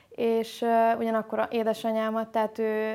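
In a very clean recording with a silent background, a woman speaks at a fairly slow pace with a fairly high pitch. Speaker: recovered leukemia patient. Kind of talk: personal testimony. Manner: halting.

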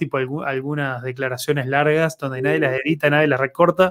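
A man's voice at a fairly high pitch. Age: 30s. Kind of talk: casual interview chat. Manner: halting, many repetitions and fillers.

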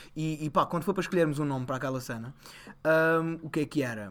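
On a very clean recording with a silent background, a man's voice can be heard. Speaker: comedian and YouTuber. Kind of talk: casual chat.

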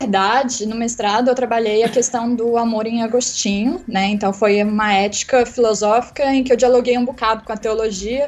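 A woman with an unremarkable speaking voice talks at a moderate pace with hardly any pauses. Her pitch is fairly high and her intonation fairly even. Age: 20s. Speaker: theologian and philosophy graduate, YouTuber. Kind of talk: interview conversation.

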